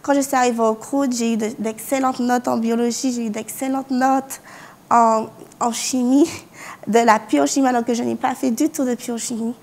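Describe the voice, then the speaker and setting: A fairly high-voiced young woman from France shares her faith testimony. She speaks earnestly, restarts her sentences often and breaks into small laughs. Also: fairly even intonation, moderate pace, a little mellow. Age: young adult. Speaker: university student giving testimony. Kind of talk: spoken personal testimony.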